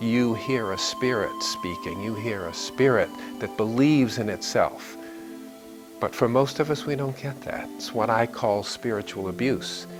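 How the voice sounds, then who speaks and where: A man at a medium pitch, with ordinary pitch variation and a fairly slow pace, over music in the background. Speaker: physician and guided imagery teacher. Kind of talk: autobiographical talk to camera.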